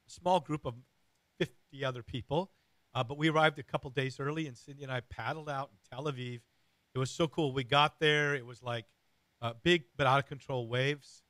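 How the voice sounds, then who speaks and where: Man, middle-aged, radio host, raspy, hoarse, earnest rambling, dry close sound. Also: mid-range voice, fairly bright tone, no echo. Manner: earnest, rambling with many fillers and restarts.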